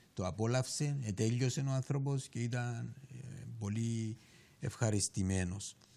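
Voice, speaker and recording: A man with a Cypriot accent speaks at a fairly slow pace. His tone is dark and mellow, somewhat breathy. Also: ordinary pitch variation. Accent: Cypriot Greek. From Cyprus. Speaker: education ministry official; guest. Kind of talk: TV interview. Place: studio. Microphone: lapel.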